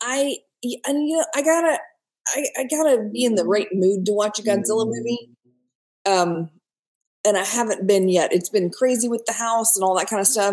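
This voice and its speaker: Ordinary pitch variation at a moderate pace in a plain, everyday voice. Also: woman. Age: 50s. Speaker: film enthusiast podcast guest. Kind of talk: casual chat. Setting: video podcast.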